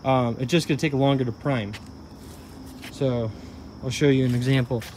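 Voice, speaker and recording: A man talks through a hands-on tool test in a relaxed, rambling way, full of "um"s and restarts. He is recorded outdoors on a first-person camera. Faint insect and outdoor noise sits behind his voice. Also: mid-range voice, normal speed. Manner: rambling, self-correcting, filler-heavy. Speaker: tool reviewer. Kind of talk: casual product demo vlog. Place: outdoor garden walkway by a tree. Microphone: body-worn camera, first-person view.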